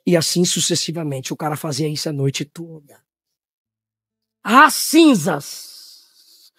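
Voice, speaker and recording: A man from Brazil preaching a Pentecostal sermon, shouting in high bursts and then dropping to low, quiet tones. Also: big pitch swings, takes it slowly, dry recording, clean studio sound.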